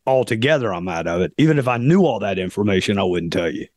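Hoarse man hosting a podcast. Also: lowish voice, expressive, a little mellow, no echo, clean studio sound. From South Carolina, US. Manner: deliberate, pausing often with fillers. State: hoarse, losing his voice. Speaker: podcast host. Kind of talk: reflective podcast monologue.

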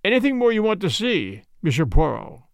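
A man's voice: a little high, sing-song, brisk, gravelly, dry recording, studio quality. A man voicing a brusque, matter-of-fact colonel and chief constable with clipped delivery, in a storybook reading.

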